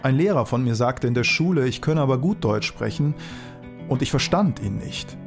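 Male narrator, calm reflective read, mid-pitched, guitar music underneath. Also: moderate pace, gravelly. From Germany. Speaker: author and narrator. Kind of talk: scripted documentary narration.

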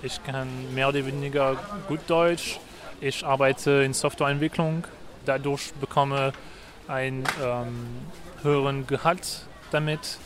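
A man's voice: mid-range voice, fairly even intonation, unhurried, a crowd in the background. A man from France, a native French speaker, explains things in German with a French accent, hesitating between short phrases. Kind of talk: explanatory interview talk.

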